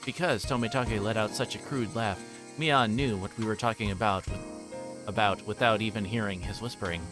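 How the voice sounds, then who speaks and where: A man's voice: lowish voice, fairly quick. A man livestreaming a visual novel, reading narration aloud with casual asides, often stumbling and rereading lines. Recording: music playing behind the voice.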